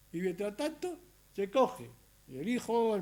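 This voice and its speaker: A man talks with an extremely high pitch. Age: 70s. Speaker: law professor. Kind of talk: lecture. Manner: animated.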